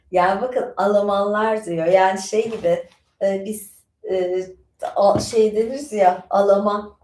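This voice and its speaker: A woman's voice: medium pitch, darkish tone. Chatty woman with an echoey studio sound. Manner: chatty, digressive, many fillers. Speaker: streamer reading and chatting. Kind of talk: casual live-stream chat and reading aloud. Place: home studio with bookshelves.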